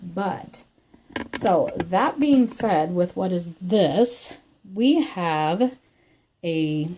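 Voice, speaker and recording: A woman with a scratchy, croaky voice from illness, hosting a crafting channel. She gives a rambling, chatty personal update from her home craft room. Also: fairly low pitch, expressive, extremely slow, dark tone. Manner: rambling and chatty, with many fillers. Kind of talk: casual personal update chat.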